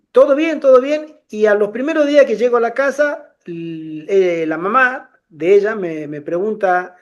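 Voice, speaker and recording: A middle-aged man with a voice that sits high tells personal stories in a casual conversation. He's animated, often restarts phrases, and acts out the voices of people in his anecdotes.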